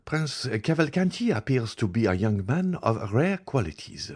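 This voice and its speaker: A man's voice: mid-range voice, sing-song, moderate pace, darkish tone, pitched above the performer's own voice. A man playing a courteous, formal society lady. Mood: gracious. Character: polite, solicitous society lady.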